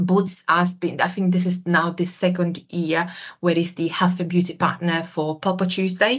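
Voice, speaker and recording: A woman with an Italian accent speaks at a moderate pace in a fairly low, somewhat breathy voice with monotone, flat intonation. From Italy. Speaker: corporate process manager. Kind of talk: podcast interview.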